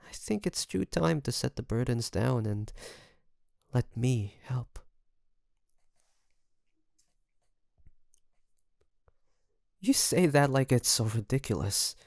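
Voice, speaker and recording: A man playing an obsessive, doting kidnapper best friend in an intimate audio roleplay, creaky, coaxing and teasing with soft menace. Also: medium pitch, no room sound, clean studio sound. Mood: doting, controlling. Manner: softly menacing, coaxing, teasing, with drawn-out phrases.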